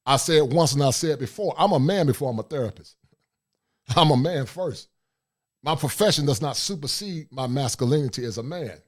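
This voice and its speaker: A middle-aged man with a deep voice, hosting a livestream talk show, speaking forcefully and reading shout-outs from the chat. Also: lively intonation, normal speed. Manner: forceful, preachy, reads chat aloud. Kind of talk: casual livestream monologue.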